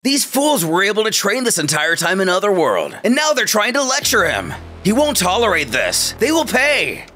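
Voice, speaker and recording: A man voicing an arrogant, proud alien prince in a story retelling, his voice shrill and indignant. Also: huge pitch swings, moderate pace, pushed and bright, faint music behind, full character voice. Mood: furious.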